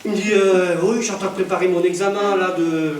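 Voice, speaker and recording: A man preaching as an evangelist, telling stories in a lively way, with loud bursts and acted-out dialogue. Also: high-pitched, fast. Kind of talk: storytelling sermon. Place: church. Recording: echoey church hall from far off, faint hiss.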